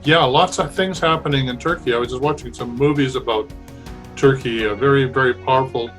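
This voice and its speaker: A man hosting a live call-in show, speaking calmly and with conviction. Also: medium pitch, a little fast, faint music behind. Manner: calm, talks about curses and spiritual healing with conviction. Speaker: host.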